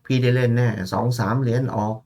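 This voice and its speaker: A man's voice: mid-range voice, level tone, fast, darkish tone. Chatty man talking through trading charts. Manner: chatty, calls listeners "พี่" and "น้อง", thinks aloud. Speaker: gold market analyst. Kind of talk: casual chart analysis talk.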